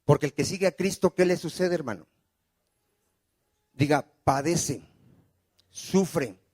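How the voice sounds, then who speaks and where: Higher-voiced preaching pastor, dry sound. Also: male voice, animated, takes it slowly, a little mellow, breathy edge, no echo. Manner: preaching with call-and-response questions. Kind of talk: sermon.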